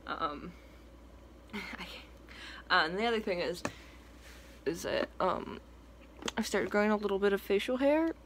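Against a noisy background, a young trans man speaks in a high-pitched voice, a little slowly and with long pauses. He's a vlogger giving a rambling, chatty home update from a small indoor room, full of fillers and restarts, his voice cracking now and then.

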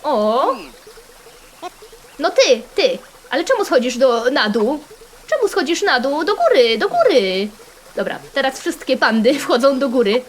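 A woman with a Polish accent narrates a browser game as she plays, playful and excitable. Her high voice leaps all over the place, full of sudden squeals and sing-song chants. A faint hiss of noise sits under the recording. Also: unhurried. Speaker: gaming channel host.

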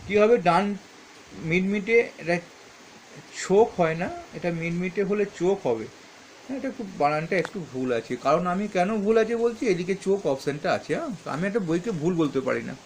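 A man's voice: high-pitched, animated, normal speed, a little hiss or hum. A man teaching, reading questions aloud and answering them step by step, stopping often to correct himself. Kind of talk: explaining textbook answers.

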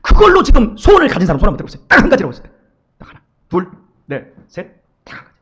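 A middle-aged man preaching a lively sermon in a church, acting out his children and God in quoted voices. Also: high voice, rapid-fire, slightly rough. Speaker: pastor. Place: church sanctuary.

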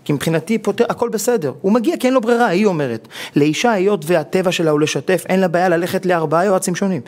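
A rabbi on a TV talk show explaining marriage advice and acting out quoted husbands and wives as he tells stories. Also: high voice. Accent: Israeli Hebrew. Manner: animated storytelling, acting out quoted spouses. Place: television studio.

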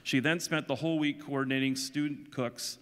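A man's voice: medium pitch, steady tone, a little fast, a bit bright. A middle-aged man making announcements from a stage as host of an event. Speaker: international student advisor, event host. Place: large auditorium stage. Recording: echoey hall with audience noise.

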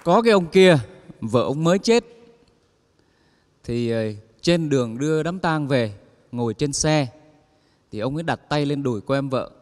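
A man's voice: fairly high pitch, animated, normal speed, long pauses, darkish tone, in a large hall. A man telling a string of comic stories to an audience, acting out the quoted lines. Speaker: comedian telling jokes. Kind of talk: stand-up joke telling.

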